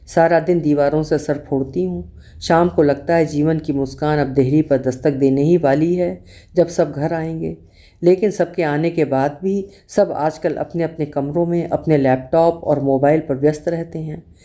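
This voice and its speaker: Brief: woman narrator, first-person diary story, reflective, confessional, low warm tone. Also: fairly even intonation, moderate pace.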